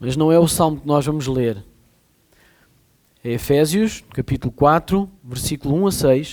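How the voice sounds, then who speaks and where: Speaking in a European Portuguese accent, a man with a fairly high pitch and ordinary pitch variation talks at a fairly slow pace, leaving long, frequent pauses. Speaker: preacher. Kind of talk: sermon. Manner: softer delivery.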